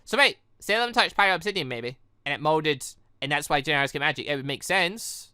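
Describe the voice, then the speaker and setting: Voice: mid-range voice, lively intonation, fairly quick, sharp tone, smooth, dry recording, studio quality. A gaming YouTuber doing rambling, thinking-aloud playthrough commentary on a visual novel, reading its dialogue out. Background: game music.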